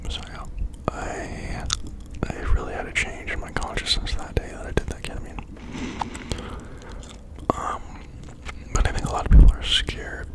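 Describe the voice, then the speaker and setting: An ASMR creator rambling in a breathy, unvoiced whisper close to the microphone, informal, halting and confiding, often checking in with the listener. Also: low-quality recording. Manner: informal, halting, confiding, with frequent tag questions.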